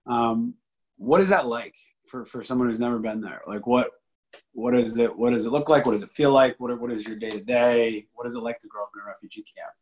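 A man's voice: mid-range voice, a little fast, darkish tone, husky, rough recording. A man interviewing a guest in a casual way, curious and piling up one follow-up question after another.

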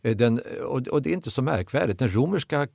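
A man's voice: medium pitch, lively intonation, vocal fry, darkish tone, no echo, studio quality. A man speaking as an expert guest in a podcast discussion, lecturing with frequent hesitations.

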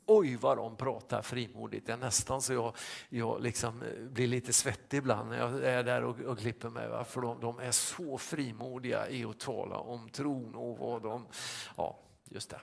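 A male pastor telling a personal anecdote in a sermon, halting with many restarts and fillers. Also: mid-range voice, steady tone, creaky.

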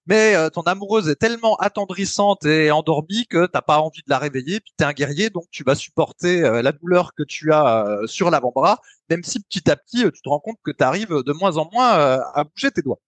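A man's voice: on the high side, lively intonation, a little fast, hardly any pauses, fairly bright tone, dry recording. A man co-hosting a podcast, explaining in a casual chatty way with many hesitant fillers. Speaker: podcast co-host.

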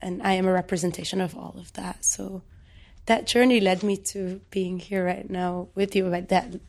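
Woman from Lebanon, 30s, poet guest; soft-spoken, thoughtful, pauses often. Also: mid-range voice, level tone, creaky. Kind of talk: reflective interview talk.

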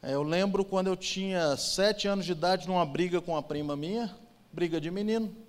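A Brazilian man gives an emotional personal testimony in a reverberant church hall, his voice high-pitched and fairly quick. He tells his story with feeling, swinging between loud outbursts and hushed moments.

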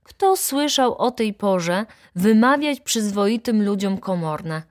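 A woman's voice: medium pitch, sing-song, slow, no echo, clean studio sound. A woman voicing an insolent young male student who speaks with sugary, mocking sweetness.

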